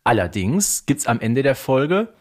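A woman co-hosts a podcast in a casual, conversational style. Her voice has a husky, slightly rough edge to it. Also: a bass voice, sing-song, measured pace, darkish tone. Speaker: podcast co-host.

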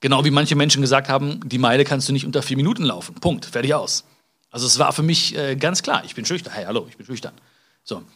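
A man's voice: mid-range voice, fast talker, fairly bright tone. Chatty man hosting a self-help podcast. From Germany. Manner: chatty, addresses listener directly with frequent tag questions; hesitant restarts and filler sounds. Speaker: podcast host.

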